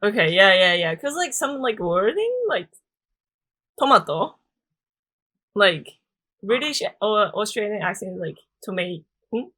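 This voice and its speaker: A woman's voice: medium pitch, expressive, unhurried, long pauses. A young Japanese woman with a Japanese accent, chatting as a guest on a podcast, filling her speech with "like.". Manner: chatty, frequent "like" fillers, soft laughs. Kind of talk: casual podcast interview.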